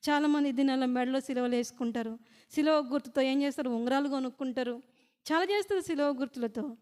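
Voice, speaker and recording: A woman's voice: high voice, a little mellow, clear, resonant tone. A woman preaching a sermon in a prayer hall, asking the listeners questions and answering them herself. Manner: reads scripture slowly and deliberately. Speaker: preacher at a women's meeting. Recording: long hall reverb.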